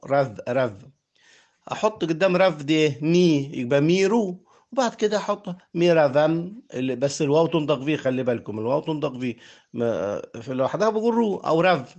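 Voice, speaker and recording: A man with an Egyptian Arabic accent, his voice sitting a little high, teaches a grammar lesson. He walks his students through each verb form, repeats the forms slowly and often stops to check that they follow. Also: expressive, darkish tone, highs cut off. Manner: explaining step by step, repeating forms, checking with "تمام؟".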